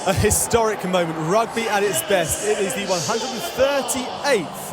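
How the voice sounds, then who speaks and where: High, projecting male sports host over crowd. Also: normal speed. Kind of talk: match-day broadcast introduction. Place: outdoor rugby stadium. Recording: loud music and stadium crowd. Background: loud music, roaring crowd.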